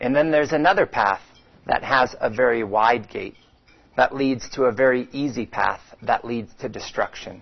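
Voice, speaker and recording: In an American accent, a man with an unremarkable speaking voice talks at a moderate pace, his medium pitch showing ordinary variation. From Arizona, US Southwest (Tucson). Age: 40s. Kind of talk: testimony talk to men's luncheon. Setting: luncheon talk to a room of men.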